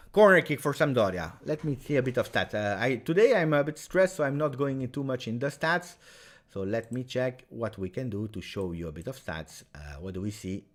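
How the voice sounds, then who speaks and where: A man hosting a live match reaction, chatty and partisan, bursting into excited shouts at big chances. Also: mid-range voice, normal speed. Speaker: fan channel match reaction host.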